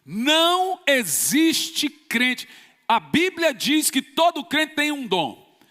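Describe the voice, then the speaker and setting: A man's voice: very high-pitched, very animated, takes it slowly, pushed and bright. A man from Brazil, a pastor preaching an emphatic sermon with sudden bursts of force. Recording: long church reverb.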